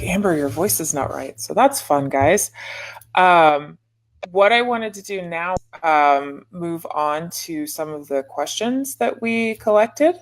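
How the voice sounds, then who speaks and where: A woman hosting a live online panel over a headset, moderating questions briskly. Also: low-pitched, poor audio. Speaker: host. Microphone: headset on video call.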